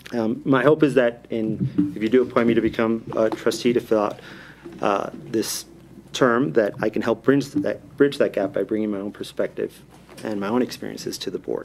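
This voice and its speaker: This man talks at a moderate pace with an American accent, his medium pitch showing ordinary variation over noticeable background noise. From Miami, Florida, with some childhood years in Peru. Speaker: trustee applicant. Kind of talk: interview statement at town board meeting. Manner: hesitant, many fillers.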